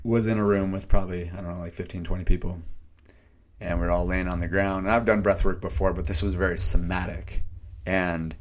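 A man hosting a solo podcast, talking earnestly and a little hoarsely, often restarting his sentences. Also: sits low. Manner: earnest, searching, with many restarts and fillers. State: slightly hoarse. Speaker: podcast host. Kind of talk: reflective solo podcast monologue.

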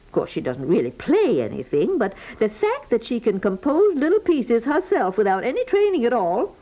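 Gushing, high-voiced neighbour lady. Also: wildly swooping pitch, moderate pace. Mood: earnest admiration. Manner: gushing, genteel. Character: kindly, lonely neighbour lady who dotes on children. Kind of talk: 1950s radio comedy acting. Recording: dull 1950s radio recording.

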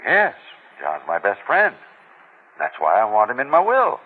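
A man's voice: fairly low pitch, wildly swooping pitch, a little slow, husky, exaggerated voice. An actor playing a stubborn, insistent elderly wealthy man, blunt and commanding, heard as an old radio broadcast recording. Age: older. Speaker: wealthy client. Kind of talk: 1940s radio acting. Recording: thin, narrow-band old radio recording.

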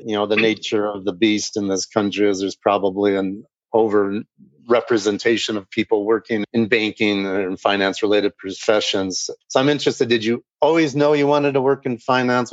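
A man's voice: on the low side, fairly even intonation, normal speed, no echo, dull audio. A man hosting a podcast interview and asking conversational, curious questions. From Switzerland. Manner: conversational, inquisitive.

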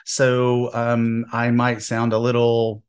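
Male host, casual and wry, a little hoarse from a cold, mid-range voice. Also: mid-range voice, monotone, slow. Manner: chatty, wry asides. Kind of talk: casual spiritual talk show. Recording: internet radio show.

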